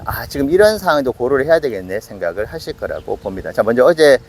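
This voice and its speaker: A man's voice: mid-range voice, a little mellow, a little hiss or hum. A man in his late forties hosting an investment channel, talking casually and acting out his viewers' doubts. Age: 40s. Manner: conversational, self-questioning with acted asides. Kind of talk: casual investing talk to camera.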